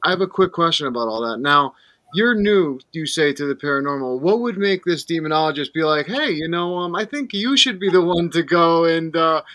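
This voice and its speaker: Man, high pitch, dry recording, casual co-host, inquisitive, informal chat. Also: animated, fairly quick, bright, forceful tone, no room sound. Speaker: co-host asking questions. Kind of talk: casual live-show chat.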